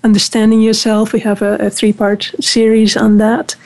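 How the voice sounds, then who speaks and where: A woman whose first language is Dutch, speaking English in an interview at a steady, measured pace. She explains things at length and pauses often on fillers, with a pitch that is neither high nor low. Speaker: director of a spiritual university. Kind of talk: conversational interview.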